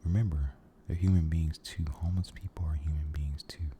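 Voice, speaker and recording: A man giving a soft-spoken, mostly whispered ASMR ramble, halting and gentle, repeating his phrases, close to the microphone. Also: a bass voice, steady tone, a little hiss or hum. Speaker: ASMR video creator.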